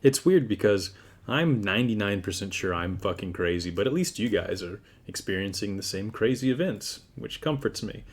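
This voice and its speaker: A man's voice: lowish voice, animated, normal speed, breathy edge. A man playing a tabletop game, improvising casually in informal, sweary talk. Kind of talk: casual improvised role-play chat.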